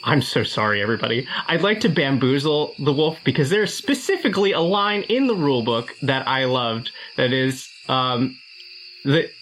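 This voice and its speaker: A man playing a tabletop game, casually describing his character's moves in a halting, playful way. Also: medium pitch, lively intonation, fairly bright tone, a little hiss or hum, low-quality recording.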